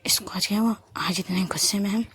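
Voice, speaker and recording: A woman storyteller voicing a gentle, caring young woman who talks softly, half in a whisper. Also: medium pitch, steady tone, a little fast, slight background noise, natural voice. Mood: puzzled.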